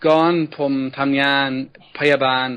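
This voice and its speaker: A man learning the language gives a short, halting self-introduction, with filler sounds between his phrases. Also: fairly bright tone. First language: English. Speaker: Thai learner giving a speaking sample. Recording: dull lo-fi clip recording.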